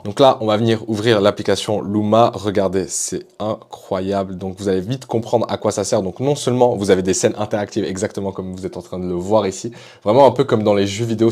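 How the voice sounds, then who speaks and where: Fast-talking enthusiastic man demoing apps. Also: on the low side, mellow. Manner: enthusiastic, casual. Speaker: tech YouTuber. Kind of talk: app tutorial.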